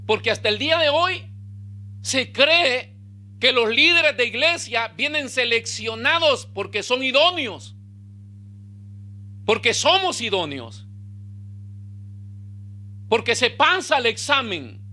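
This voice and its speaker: A male pastor, preaching a sermon with bursts of emphasis and quiet low asides. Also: very animated, takes it slowly, long pauses.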